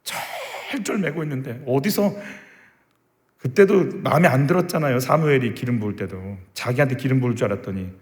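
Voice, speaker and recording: A man's voice: mid-range voice, brisk, a little mellow. A male pastor preaching a sermon in a church sanctuary, emphatic and full of rhetorical questions to the congregation. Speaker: senior pastor. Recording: reverberant church hall.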